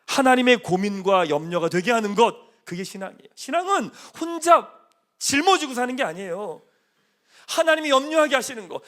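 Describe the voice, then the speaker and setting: Animated, high-voiced male pastor preaching. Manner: animated, coaxing the congregation with call-and-response; drops to a soft, hushed voice when voicing God's promises. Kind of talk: sermon. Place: church sanctuary.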